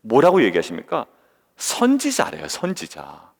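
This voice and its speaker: A male pastor delivers an early-morning devotional sermon in a church sanctuary, frequently putting questions to the congregation and dramatizing the voices he quotes. His mid-range voice is creaky, swooping wildly in pitch at a normal speed, and the church hall adds a long reverb.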